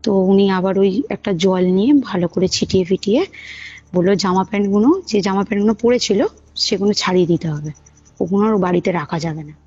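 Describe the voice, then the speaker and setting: Husky woman on a muffled call. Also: medium pitch, fairly quick, mellow. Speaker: caller telling a personal ghost experience. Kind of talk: casual conversational storytelling. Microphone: phone call. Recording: muffled phone call recording, music underneath. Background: background music.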